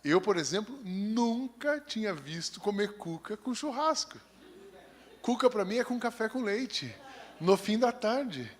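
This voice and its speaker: A Brazilian pastor from São Paulo, a man with a high, animated voice, preaches at a measured pace. He reads scripture steadily, then shifts into folksy, joking chat during the sermon.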